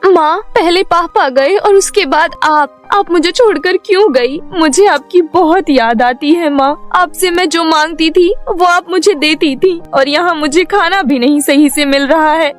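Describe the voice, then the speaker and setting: A woman's voice: high-pitched, moderate pace, faint music behind, lightly acted. Woman voicing a meek orphan maid girl. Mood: tearful. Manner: gentle, pleading, tearful. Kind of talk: cartoon story voice acting.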